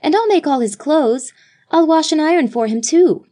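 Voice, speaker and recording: A woman voicing a group of eager young sisters who plead and chatter excitedly. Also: high-pitched, pitched above the performer's own voice. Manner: pleading, raised and quick.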